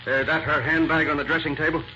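An actor playing a gruff, folksy homicide sergeant in a 1940s radio drama. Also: male voice, on the high side, flat delivery, quick pace, bright, forceful tone. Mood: grimly indignant. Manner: blunt, folksy tough-cop talk. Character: gruff, blustery male police homicide sergeant. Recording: muffled, very noisy 1940s radio recording.

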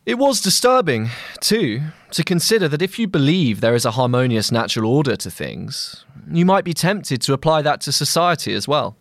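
A man narrating a scripted long-read essay as a journalist, in measured, deliberate phrasing. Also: fairly high pitch, very animated, no echo, clean studio sound.

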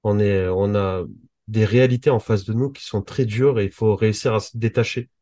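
Male podcast host, lowish mellow voice, friendly and halting, dry close sound. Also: fairly even intonation, dry recording. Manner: friendly, halting, many fillers. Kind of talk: podcast interview.

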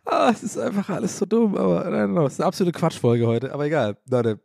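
A man's voice: high-pitched, quick pace, gravelly, darkish tone, no room sound, studio quality. A man from Ireland hosting a podcast, rambling and joking in casual chat, swearing and mocking himself. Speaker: podcast host.

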